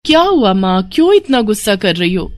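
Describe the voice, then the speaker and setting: A woman voicing a lively, cheerful young daughter in a storybook tale, bubbly and coaxing. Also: medium pitch, moderate pace, natural voice. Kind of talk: storybook voice acting.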